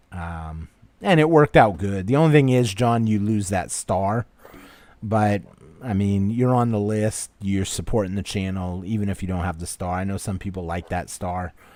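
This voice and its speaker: With a fairly low pitch and ordinary pitch variation, a man talks at a moderate pace. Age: 40s. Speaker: livestream host. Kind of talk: live stream chat reading comments. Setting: livestream at computer. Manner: casual, hesitant with fillers.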